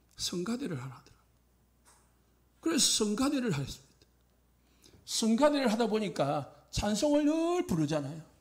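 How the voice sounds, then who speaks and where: A man talks at a moderate pace with very wide pitch swings. Audible room echo surrounds his voice. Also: long, frequent pauses, big swings in loudness. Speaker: pastor. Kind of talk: sermon. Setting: church.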